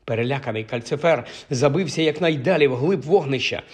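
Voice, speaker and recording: A man narrating an audiobook in a measured, even reading voice. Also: medium pitch, husky. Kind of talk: storybook narration.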